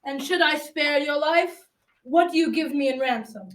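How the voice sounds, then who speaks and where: A woman's voice: high voice, moderate pace, a bit bright, distant mic. A teenage girl playing a stern, formidable Black Knight in an amateur school radio drama, with formal archaic speech. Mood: commanding. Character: formidable male Black Knight, stern challenger and grieving father. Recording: echoey room, off the mic.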